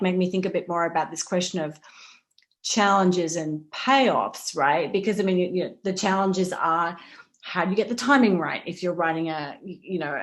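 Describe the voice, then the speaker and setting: A woman moderating a panel discussion in a conversational way, thinking aloud in qualified, exploratory phrases. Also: fairly low pitch.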